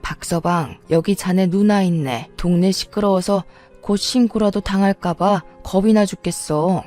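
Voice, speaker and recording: Woman playing an anxious older mom giving orders, mellow voice. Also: mid-range voice, unhurried, soft background music, close to an everyday voice. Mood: worried. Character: worried older mother, firm.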